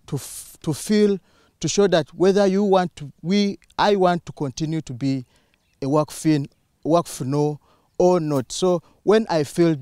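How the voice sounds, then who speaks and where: A man's voice: fairly high pitch, a little mellow, smooth, no echo, studio quality. A young man from Uganda in the audience, earnestly telling a personal story into a handheld mic. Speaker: student in the audience.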